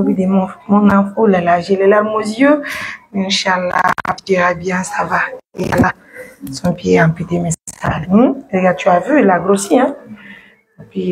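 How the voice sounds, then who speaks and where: Woman, humanitarian vlogger; gentle coaxing delivery, mid-pitched, faint background noise. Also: normal speed, gravelly. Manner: soothing, coaxing, often dropping to a whisper. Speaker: humanitarian journalist. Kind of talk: emotional vlog update.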